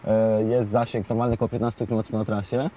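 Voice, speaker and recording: This twenty-something speaks in a fairly low, flat, dark voice, with a little hiss or hum in the lapel-mic recording. Acting as a shop expert, he explains a product unscripted, hesitating often, leaning on fillers and saying words twice.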